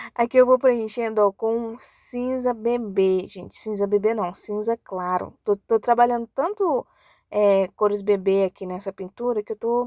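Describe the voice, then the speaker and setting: A woman speaks fairly slowly with fairly even intonation. Her fairly high voice has a dark, mellow tone. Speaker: craft tutorial host. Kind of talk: tutorial narration.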